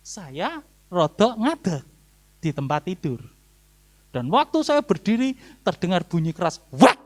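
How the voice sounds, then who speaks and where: A man with a Javanese accent, a pastor telling a funny personal story in a sermon, swinging between loud and hushed delivery. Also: high voice, very animated, a little slow.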